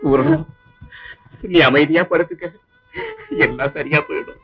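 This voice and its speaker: A man's voice: high voice, very animated, moderate pace, soft background music. An actor playing a husband who anxiously soothes his frightened wife in a 1960s film melodrama. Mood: soothing. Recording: dull old film soundtrack.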